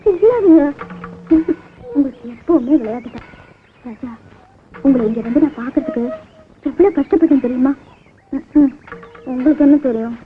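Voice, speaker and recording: A woman's voice: high voice, expressive, normal speed, pauses often. An actress playing a poor young village woman, a devoted and jealous lover who speaks in an emotional, pleading way. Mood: reproachful. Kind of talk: Tamil film melodrama acting. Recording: tinny old film soundtrack with music.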